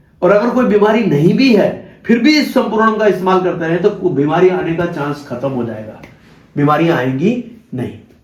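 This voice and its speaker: A man talks at a high pitch with very wide pitch swings. Audible room echo and noticeable background noise are present. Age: 60s. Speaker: natural farming promoter. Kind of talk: sales pitch.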